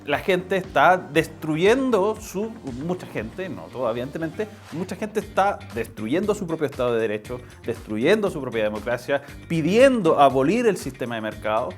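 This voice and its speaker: A man with a Chilean accent giving conversational political commentary as an interview guest, explaining things haltingly and repeating phrases for emphasis. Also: a little high, very animated, faint music behind.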